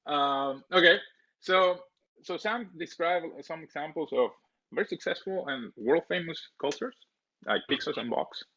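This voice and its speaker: A man's voice: fairly high pitch, animated, unhurried, sharp tone. Chatty man from El Salvador, muffled. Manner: chatty, repeats words often. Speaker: webinar co-host. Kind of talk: casual webinar talk.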